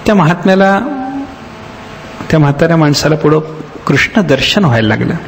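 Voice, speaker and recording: A man giving a devotional discourse as a spiritual teacher, telling a story with lively acted-out voices and slowly chanted verses. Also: on the high side, a little hiss or hum. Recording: long hall reverb.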